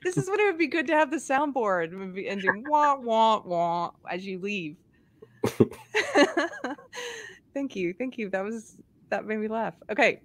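A woman's voice: mid-range voice, no echo. A woman co-hosting a casual live show, upbeat and giggly, reading articles aloud. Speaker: co-host.

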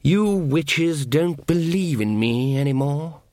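A man voicing a huge, weary, lordly antlered god with a smooth, rich voice and a slow, condescending drawl, in a storybook reading. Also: fairly high pitch, animated, a little mellow, no echo, studio quality, pitched above the performer's own voice. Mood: languid disdain.

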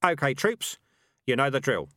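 A man voicing a tough, lean male rat sergeant in a storybook, brisk, wary and commanding. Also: medium pitch, sing-song, a bit bright, no echo, studio quality, voice pushed up.

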